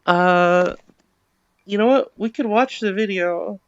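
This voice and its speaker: A man's voice: high-pitched, slow, fairly bright tone, clear, resonant tone, no room sound, highs cut off. A man streaming live, chatting casually with friends in a laid-back way and swearing freely. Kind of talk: casual chat.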